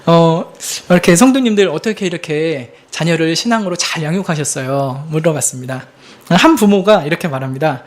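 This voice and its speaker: A man in his thirties speaks a little high and a little fast while preaching as a pastor. The sermon is sincere and confessional, switching between hushed tones and emphatic bursts.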